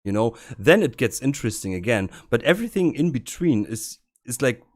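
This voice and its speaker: A man's voice: medium pitch, very animated, a little fast, a little mellow. A man with a German accent hosting a podcast, talking casually with frequent restarts. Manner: hesitant, many restarts and fillers. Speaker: podcast host. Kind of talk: casual discussion.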